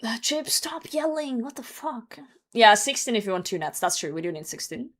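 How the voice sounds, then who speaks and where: A woman's voice: mid-range voice, expressive, fairly quick. A young woman who is hungover, casually chatting with her live stream and commenting on gameplay, with some swearing. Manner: sweary, reacting to chat and game. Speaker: game streamer.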